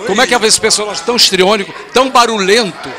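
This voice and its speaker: An older man from Rio de Janeiro with a Rio accent, a TV host briskly interviewing guests backstage with a handheld mic. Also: high-pitched, a crowd in the background. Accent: Brazilian Portuguese, Rio de Janeiro. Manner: brisk, promotional, leading questions. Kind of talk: upbeat on-the-spot interviewing. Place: backstage at a theater auditorium, indoors. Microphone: handheld mic held to each guest.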